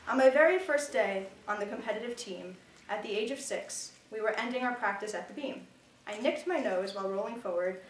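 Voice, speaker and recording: A woman's voice: on the high side, slight background noise. A young woman, a college student, reading her own wry prose aloud at a literary reading. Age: young adult. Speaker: student reader. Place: reading event room. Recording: echoey room, voice from a distance.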